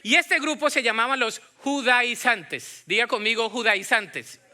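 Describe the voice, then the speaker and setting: High, bright-voiced Latin American man preaching. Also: a little slow. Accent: Latin American Spanish. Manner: animated, acts out imagined dialogue, questions the congregation. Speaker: pastor preaching. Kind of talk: conversational Bible-teaching sermon.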